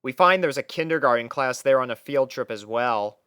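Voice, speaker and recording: Smooth-voiced man narrating a story. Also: medium pitch, lively intonation, normal speed, bright, forceful tone, no echo, studio quality. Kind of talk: scripted first-person story narration.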